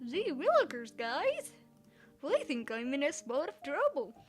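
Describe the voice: A put-on character voice with high pitch comes at a moderate pace. Faint music plays in the background.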